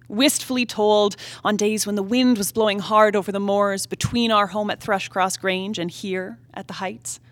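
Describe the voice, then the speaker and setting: Woman acting young period-drama wife, brooding, restless, emotive soliloquy, halting delivery, dry close sound. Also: mid-range voice, dry recording, close to an everyday voice. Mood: wistful. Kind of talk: theatrical play reading, period drama monologue. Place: theatre stage, live play reading.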